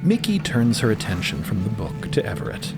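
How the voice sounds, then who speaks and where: A man's voice: fairly low pitch, huge pitch swings, fairly quick. A man narrating a scripted audio drama. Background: loud background music.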